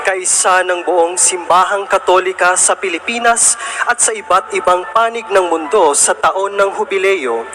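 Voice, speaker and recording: A man with a Filipino accent hosting a religious broadcast, reading solemn, measured narration in a reverent manner. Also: high voice, background noise. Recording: background music under the voice. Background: music.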